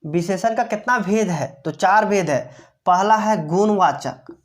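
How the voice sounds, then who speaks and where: Speaking at a measured pace in a mid-range voice, a woman gives a classroom-style grammar explanation. She moves through it step by step, asking rhetorical questions that she answers herself and repeating each key term.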